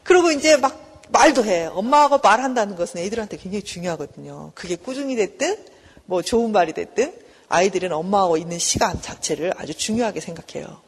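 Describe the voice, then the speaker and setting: A middle-aged woman professor lectures on counseling with a lively, swooping voice that jumps into the voices of mothers and children. Her tone is slightly husky. A long reverb trails behind her, as if in a large hall. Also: mid-range voice, a little fast. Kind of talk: recorded lecture.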